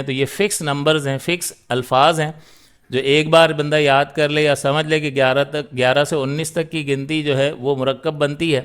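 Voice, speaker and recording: Guy teaching a grammar class, smooth clear voice, asks questions then answers them himself. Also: fairly high pitch. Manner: explains step by step, asks and answers his own questions. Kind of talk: grammar lesson.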